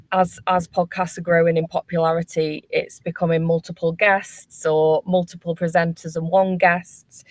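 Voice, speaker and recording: Low, even-toned woman on a panel. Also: no room sound. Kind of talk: considered webinar panel answer.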